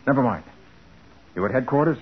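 An actor playing a confident, quick-witted private detective in a 1940s radio crime drama, brisk and decisive. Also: male voice, mid-range voice, expressive, breathy edge. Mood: excited. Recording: muffled noisy 1940s radio recording.

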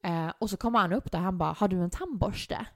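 A woman's voice: lowish voice, no echo, clean studio sound. A young woman telling a story in casual chat, acting out the quotes of the people in it. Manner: animated, acts out quotes. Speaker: guest.

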